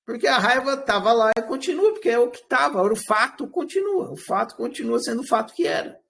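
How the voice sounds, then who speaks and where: A man with a high, gravelly voice teaches a live class at a quick pace, putting questions to his students. He is animated, slips into acted quotes of everyday speech, and answers his own rhetorical questions.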